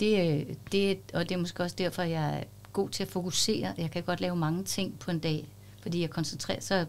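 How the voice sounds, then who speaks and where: Ordinary pitch variation at a moderate pace. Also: woman. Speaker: voice actor and stage actor. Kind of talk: interview.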